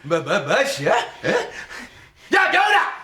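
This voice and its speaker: A man playing a hot-tempered, thuggish father in sketch comedy, stammering and yelling as he defends his son. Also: high voice, wildly swooping pitch, slow pace, roomy sound, very noisy, exaggerated voice. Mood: blustering. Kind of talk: broadcast sketch comedy acting.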